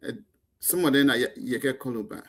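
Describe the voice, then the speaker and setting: A man's voice: mid-range voice, a little fast. A man with a Liberian accent, speaking as a panel guest in a heated political talk show, impassioned and emphatic with stumbling restarts.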